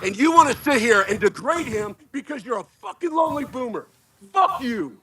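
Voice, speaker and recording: Furious high-voiced man ranting. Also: big pitch swings, moderate pace, crowd noise. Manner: angry, shouting, profane. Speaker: counter-protester. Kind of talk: heated street argument.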